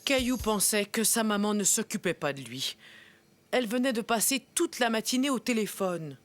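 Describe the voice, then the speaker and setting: A woman's voice: mid-range voice, expressive, moderate pace, natural voice. A woman playing a kindly storyteller who narrates scripted storybook tales for young children in a cartoon. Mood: storytelling. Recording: music behind the narration.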